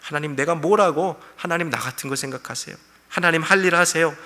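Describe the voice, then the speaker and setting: A man's voice: sits high, brisk, pushed and bright. A man preaching who acts out an anguished suffering man pleading bitterly with God. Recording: reverberant hall.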